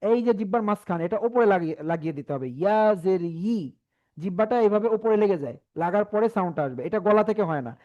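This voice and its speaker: A man teaching a Quran reading class, patiently saying each letter sound slowly and having the class repeat after him. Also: high-pitched, lively intonation. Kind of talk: online class lesson. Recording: dull lo-fi.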